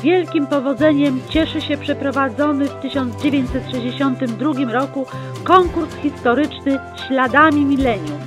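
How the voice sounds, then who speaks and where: High-voiced woman doing old-newsreel narration. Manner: brisk upbeat newsreel announcer delivery. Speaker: chronicle narrator. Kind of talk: mock 1960s newsreel narration. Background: plucked guitar music.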